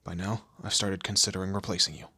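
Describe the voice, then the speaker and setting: A man playing a commanding, teasing demon lord in an audio roleplay, with a low gravelly, husky voice and an imperious, theatrical manner. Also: level tone, fast, pushed and bright, no room sound, full character voice. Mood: stern, threatening. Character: male demon lord, commanding, menacing, teasing boss of hell. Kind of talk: scripted audio roleplay addressed to the listener.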